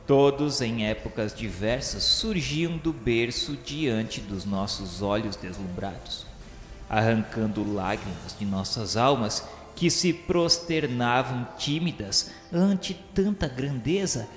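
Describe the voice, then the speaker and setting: A man delivers grandiloquent scripted narration for a radio drama. His medium-pitched voice is solemn and declamatory, phrased like formal literature. It rings with the echo of a large hall, over faint music. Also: animated, slow pace.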